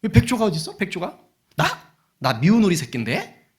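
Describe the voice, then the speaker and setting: A man's voice: a little high, little pitch movement, normal speed, gravelly, fairly bright tone. A male pastor voicing a sad, timid young ugly duckling in a storybook tale told during a sermon. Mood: astonished. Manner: plaintive, wondering.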